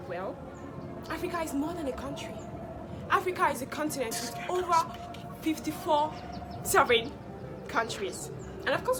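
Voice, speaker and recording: A woman's voice: on the high side, background noise, natural voice. A woman playing a proud young Hausa woman who speaks with a Nigerian Hausa accent and talks in a formal, speech-giving way. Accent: Hausa Nigerian English. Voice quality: formal, speech-giving, then loud laughing banter. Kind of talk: comedy skit acting.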